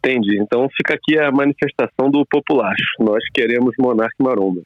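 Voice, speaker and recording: A man's voice: mid-range voice, fast, no room sound, faint music behind. Man on a phone line, call-in listener, jokey and playful, muffled dull line, dry sound. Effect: over a phone line. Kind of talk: casual call-in chat.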